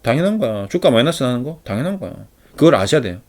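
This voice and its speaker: A man hosting a casual lesson on investing, talking in an animated way and acting out little scenes. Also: fast talker. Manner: animated, acts out little scenes with pitch swings. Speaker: stock investing study channel host. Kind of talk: casual spoken lecture.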